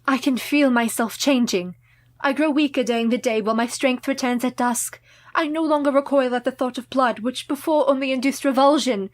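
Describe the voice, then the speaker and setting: An actress playing a grave, resolute young wife in a radio play, formal and earnest. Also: female voice, high voice, brisk, lightly acted. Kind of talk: community radio play acting.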